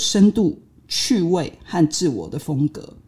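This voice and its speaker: This woman's voice has a dark, mellow tone. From Taiwan. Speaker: literature scholar. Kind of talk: scripted narration.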